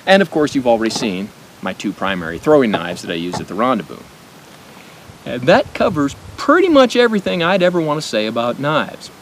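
Middle aged american guy showing gear outside, halting delivery w lots of pauses, medium pitch, bit of rumbly noise. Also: big pitch swings, rough recording. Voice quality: speech impediment. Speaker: knife and gear reviewer. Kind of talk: informal product demonstration to camera. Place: outdoors at a picnic table in woods. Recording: outdoor noise with low rumble.

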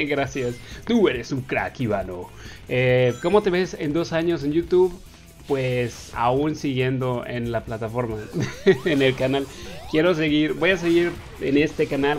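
A Mexican man in his twenties with a Mexican Spanish accent, casually answering viewer questions as a gaming YouTuber, playful, reading each question aloud in a raised voice. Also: mid-range voice. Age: 20s. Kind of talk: casual Q&A voice-over over gameplay.

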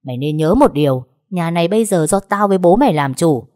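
Woman voicing a shrill spiteful stepmother. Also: animated, brisk, darkish tone, no echo, studio quality. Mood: furious. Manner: shrill, abusive, scornful. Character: spiteful middle-aged stepmother, sharp-tongued. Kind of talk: audiobook narration.

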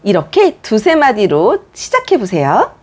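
A woman's voice: mid-range voice, wildly swooping pitch, a little slow. A woman who runs a childcare center, giving a parenting lesson and speaking straight to moms and dads in an encouraging way. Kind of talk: parenting lesson talk to camera.

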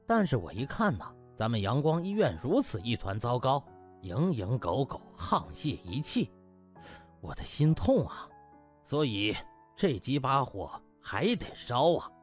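A man's voice: mid-range voice, sing-song, a little slow, soft background music. A man voicing a smug, pompous male hospital boss who speechifies officially with false kindliness, in an audiobook.

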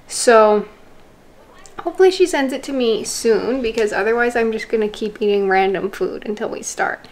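A woman's voice: a little high, moderate pace, a little mellow. Chatty woman vlogging from her kitchen. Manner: chatty, explains as she goes. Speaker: fitness vlogger. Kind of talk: casual vlog chat. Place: home kitchen.

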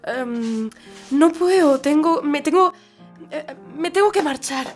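A woman's voice: sits high, animated, slow, faint music behind. An actress playing a spirited, outspoken young working-class woman in an audio drama. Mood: flustered.

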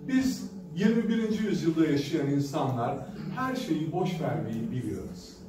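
A man's voice: on the high side, sing-song, normal speed. A male pastor giving a sermon at a pulpit microphone, telling stories in a conversational way with hesitant fillers. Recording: echoey hall from a distance with background noise.

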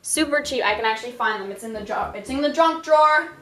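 Young woman YouTuber, stuffy-nosed, chatty and self-mocking; slightly high voice over faint music. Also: fast talker, a bit bright. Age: young adult. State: stuffy nose. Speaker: art YouTuber. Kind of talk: casual sketchbook tour chat.

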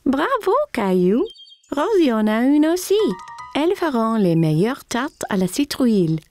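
A woman voicing a kind, patient mother in a children's cartoon, gentle and encouraging. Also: a little high, very animated, measured pace, over music. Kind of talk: cartoon voice acting.

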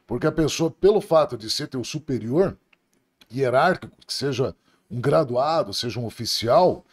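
A man's voice: medium pitch, animated, normal speed, slightly rough. A middle-aged man from Brazil, a police officer telling stories on a podcast in a blunt, profane, laughing way. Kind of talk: casual podcast storytelling.

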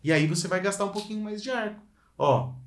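A lively Brazilian man teaching violin online, speaking directly to his student. His voice sits a little high for a man, and the room around him rings with echo. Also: racing, soft background music. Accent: Brazilian Portuguese. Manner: energetic, addresses viewer directly, sings phrases to demonstrate. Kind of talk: online music lesson.

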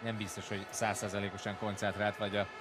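A man giving excited live play-by-play commentary on a handball match. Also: on the low side. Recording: loud arena crowd noise behind commentary. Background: roaring sports hall crowd.

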